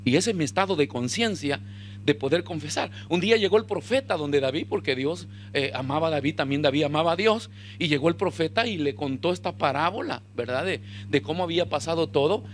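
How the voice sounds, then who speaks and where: A man preaching a sermon as pastor, acting out voices and shouting at his peaks. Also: a little high, expressive, fairly quick, a little hiss or hum.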